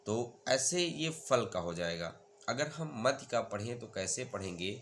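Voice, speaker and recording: A male teacher in an exam-prep lesson who chants word forms slowly and keeps asking whether it is clear. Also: mid-range voice, expressive, a bit bright, a little hiss or hum. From India.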